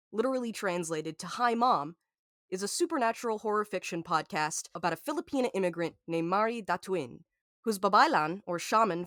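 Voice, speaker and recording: A woman narrates a podcast promo from a script. Her pitch is a little low. The recording is close and dry, with no room sound. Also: a bit bright, no echo.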